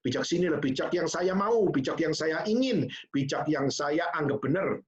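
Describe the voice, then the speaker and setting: A man's voice: fairly high pitch, lively intonation, normal speed. A male pastor preaching a sermon, asking the congregation rhetorical questions and slipping in English phrases. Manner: preaching with rhetorical questions, addressing listeners as "Saudara"; mixes English phrases into speech. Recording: echoey church hall, dull sound.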